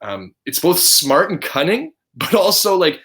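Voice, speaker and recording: A man's voice: high voice, very animated, unhurried, a bit bright. Canadian guy guesting on a chat, earnest, keeps hunting for the right word. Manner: earnest, searching for words. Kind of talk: casual video chat.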